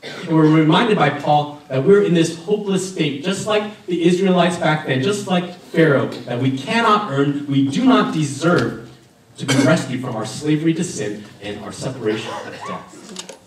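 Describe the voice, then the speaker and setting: A man in his thirties preaching a sermon in a church, talking in a lively, conversational way while gesturing at a lectern. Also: fairly high pitch, moderate pace, a little hiss or hum. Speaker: pastor. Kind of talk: sermon with personal story. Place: church sanctuary with stained glass, indoors. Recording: very echoey room from far off.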